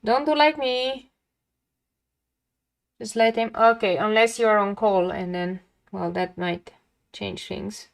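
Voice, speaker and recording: A young woman with a calming, mid-pitched voice. She talks in a casual, chatty way to viewers of her drawing livestream and often addresses them directly. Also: takes it slowly, gravelly, long pauses. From lives near a big Dutch city. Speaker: art livestream host. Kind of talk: casual chat while drawing.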